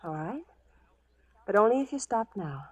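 A woman's voice: mid-range voice, sing-song, moderate pace, husky. An actress playing a proud, lovelorn, bold frontier woman in a radio western, speaking directly and challengingly, with yearning. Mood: earnest, determined. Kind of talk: 1940s radio western acting.

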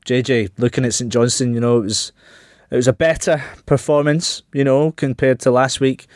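A man hosting a football podcast, brisk and teasing as he reads results and questions guests. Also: medium pitch, little pitch movement, darkish tone, no echo, clean studio sound. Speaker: host.

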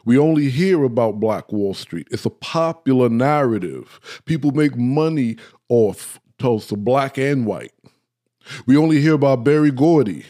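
Hosting an informal talk akin to a live-stream lecture, a man addresses his viewers directly in a dark, mellow voice of ordinary middle pitch. He is animated yet a little slow, keeps checking in with the audience, and sometimes trips over words when worked up.

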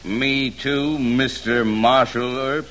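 A man's voice: medium pitch, steady tone, slow, a bit bright. An actor in a 1940s radio drama playing a drunk, belligerent gunman who sneers and threatens. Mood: sneering.

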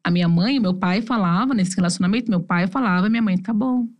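A woman's voice: medium pitch, lo-fi sound. A woman from Brazil, a podcast guest telling her personal story candidly and acting out what her family said. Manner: fast, candid, acts out quoted family voices. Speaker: interview guest.

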